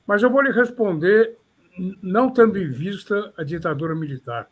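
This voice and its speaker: An older man from São Paulo with a São Paulo Portuguese accent, a criminal defense lawyer recalling his career in measured, formal interview answers. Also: high-pitched, husky. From São Paulo, Brazil. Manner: measured, formal, slightly florid phrasing.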